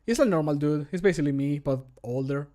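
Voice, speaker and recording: A man's voice: on the high side, fast talker, warm tone. A man in his thirties chatting casually as a streamer, thinking aloud in a jokey, self-deprecating way. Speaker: streamer, game modder recording voice lines. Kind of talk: casual livestream chat. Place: small home room, indoors.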